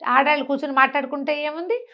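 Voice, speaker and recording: Female storyteller, higher register, informal and chatty, narrating a village tale with acted-out quotes. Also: steady tone, quick pace, dull audio. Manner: chatty, colloquial, acts out villagers' quoted remarks. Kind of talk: conversational oral storytelling of a folk tale.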